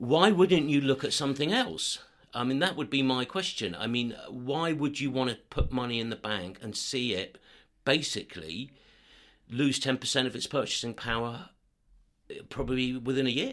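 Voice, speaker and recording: Lively intonation marks a man's unremarkable speaking voice at a medium pitch. He keeps a moderate pace on a very clean recording with a silent background. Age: 50s. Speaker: private investor. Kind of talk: casual chat.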